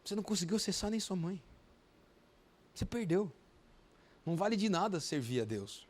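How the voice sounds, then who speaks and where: A man voicing the devil as a cold, accusing male spirit who repeats taunts in a low, hushed tone. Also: sing-song, normal speed. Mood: taunting.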